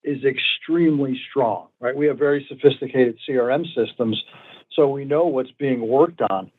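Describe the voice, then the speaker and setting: A man's voice: mid-range voice, normal speed. A man, a company executive, answering analysts on an earnings call in a confident, emphatic way, repeating points for emphasis. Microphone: phone conference call. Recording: tinny narrowband phone conference line.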